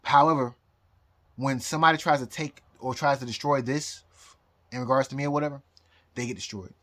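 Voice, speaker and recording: A man in a rambling, drunk-sounding personal rant, halting and repeating his phrases, speaking emphatically and defiantly. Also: medium pitch, fairly bright tone. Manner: emphatic, defiant talk of fate and God. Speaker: astrologer.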